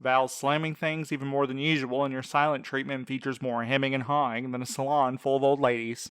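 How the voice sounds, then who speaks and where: A man's voice: mid-range voice, little pitch movement, fairly quick, a bit bright, clear, resonant tone, dry recording, clean studio sound, natural voice. A man playing a teasing but supportive friend and coworker in a fiction podcast, with wordy, sarcastic quips. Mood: teasing, friendly. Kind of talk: fiction podcast audio drama acting.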